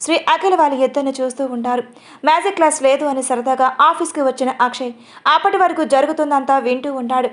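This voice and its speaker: A woman narrating a dramatic audio story in a brisk storytelling manner. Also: high-pitched.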